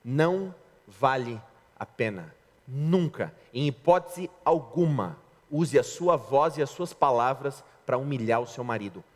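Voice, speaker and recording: A man's voice: medium pitch, measured pace. A man preaching a sermon as pastor, with a Brazilian Portuguese accent, joking and acting out what husbands and wives say. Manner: lively, joking preacher acting out spouses' lines. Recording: reverberant hall.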